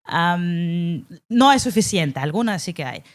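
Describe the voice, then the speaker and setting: A podcast host interviews a guest in a mid-range voice. They frame each question hesitantly, pausing and restarting as they work toward the point. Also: medium pitch, animated. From abroad, living in Barcelona. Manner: hesitant, with many fillers and restarts while framing questions.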